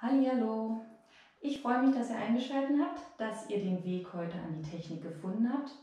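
With strong room echo, a woman speaks at a moderate pace using very wide pitch swings. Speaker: fitness instructor. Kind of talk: workout instruction. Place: home room. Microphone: camera far.

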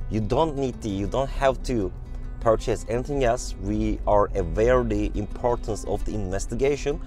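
Clear music plays in the background as a man talks at a moderate pace. The sound is dry, with no echo. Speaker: real estate agent vlogger. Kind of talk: casual vlog chat. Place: car. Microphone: lapel.

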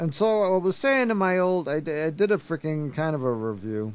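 A man speaks with lively intonation. The sound is dry, with no echo. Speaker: guitar hobbyist vlogger. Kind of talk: casual vlog chat. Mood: frustrated, venting, occasional laughs. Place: home room.

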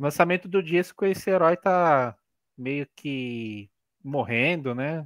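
Very slowly, a man talks in a fairly high voice with ordinary pitch variation, the sound dry with no echo and the background quiet. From Brazil. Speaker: YouTube channel host. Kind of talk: casual chat. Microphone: headset.

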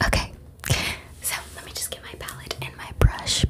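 Whispering and soft-spoken, a woman keeps a moderate pace while her loudness swings widely over noticeable background noise. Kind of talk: soft-spoken roleplay chat. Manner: soft ASMR whisper. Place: home room. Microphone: studio mic.

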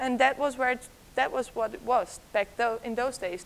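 At a fairly quick pace, a woman speaks with a Dutch accent at a high pitch. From Netherlands. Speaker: artist giving talk. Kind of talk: lecture. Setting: lecture hall with audience. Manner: informal, joking, laughs often. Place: hall.

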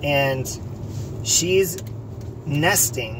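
A man is heard over noticeable background noise. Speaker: vlogger. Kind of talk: casual vlog chat. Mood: playful, animated. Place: car.

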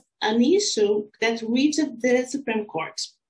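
A woman with a fairly high pitch in a Portuguese accent. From Brazil. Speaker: government attorney. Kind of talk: lecture. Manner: halting. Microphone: video call.

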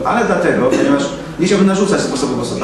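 Strong room echo and noticeable background noise accompany a man speaking. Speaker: assembly chair. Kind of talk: formal assembly proceedings. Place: hall.

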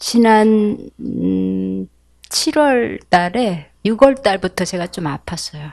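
A woman at a very slow pace with hardly any pauses, dry sound with no echo, and a quiet background. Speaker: cancer patient participant. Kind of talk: testimony. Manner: halting. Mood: earnest, reflective. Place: hall. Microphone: handheld.

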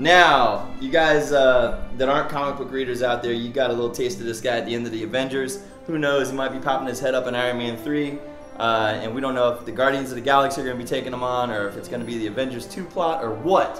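The speech moves at a very fast pace. Clear music plays in the background. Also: man, ordinary pitch variation. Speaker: comic shop promoter. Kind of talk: casual promotional vlog chat. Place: shop. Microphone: phone near.

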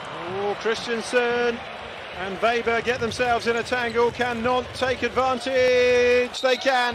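With noticeable background noise behind him, a man speaks in an excited tone at an extremely high pitch. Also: fairly slow pace. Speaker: sports commentator. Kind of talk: live sports commentary. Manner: excited, rising intensity on goals.

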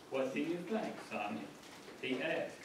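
A man speaks at a fairly slow pace. Audible room echo surrounds him, with loud background noise. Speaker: preacher. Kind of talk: scripture reading. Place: church. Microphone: camera far.

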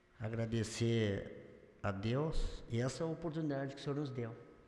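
There is audible room echo. A man talks at a fairly slow pace. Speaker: council president. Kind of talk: formal ceremonial speech. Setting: council chamber with audience. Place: hall. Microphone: podium.

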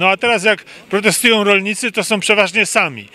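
Raised and projected, a man's high-pitched voice carries at a moderate pace in a dry sound with no echo. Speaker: street interviewer. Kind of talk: street interview. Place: street.

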